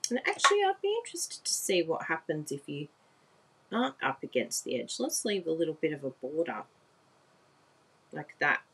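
In an indoor craft room, a woman demonstrates papercraft live from her desk, chatting casually, laughing and exclaiming often, and asking viewers whether they agree. Her voice is low with big pitch swings at a normal speed, against a noisy background.

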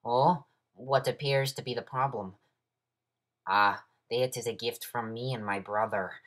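A man's voice: medium pitch, steady tone, measured pace, a bit bright, natural voice. A man voicing a polite lizard shopkeeper with a formal, genteel, salesmanlike manner. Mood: polite, obliging. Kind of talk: character voice audition.

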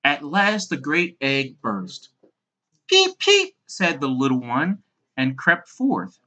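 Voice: mid-range voice, expressive, slow pace, sharp tone. A storyteller reading a scripted fairy tale aloud as narration.

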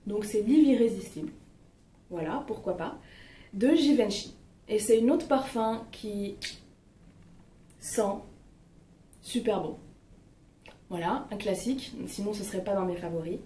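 A woman's voice: medium pitch, measured pace, pauses often, dark tone. A young woman chatting casually about her favorite products, hesitant with lots of fillers, recorded at home. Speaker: beauty vlogger. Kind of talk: casual product review chat. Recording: roomy, distant mic, faint noise.

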